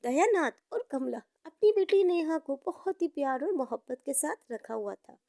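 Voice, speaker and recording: Woman, storyteller, high pitch, creaky edge, informal narration, dry sound. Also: sing-song, normal speed, dark tone, dry recording.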